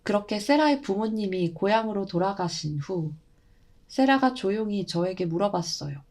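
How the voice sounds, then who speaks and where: A woman's voice: medium pitch, expressive, normal speed, a little mellow. A woman narrating a horror story in a conversational way, adding her own asides.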